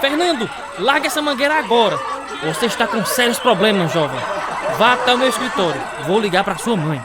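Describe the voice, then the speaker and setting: Stern, agitated school principal played by an actress, noisy crowd. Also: female voice, fairly high pitch, expressive, a little fast, lightly acted. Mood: alarmed, angry. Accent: Brazilian. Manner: agitated, commanding. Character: alarmed, scolding school principal, stern adult woman. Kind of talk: dramatized radio story acting.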